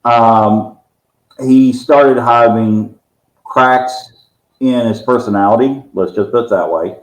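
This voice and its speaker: A man speaks from a clearly echoey room as an interview guest. He explains matters as the leader of a team, in a measured way with frequent pauses. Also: medium pitch. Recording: roomy, echoing sound.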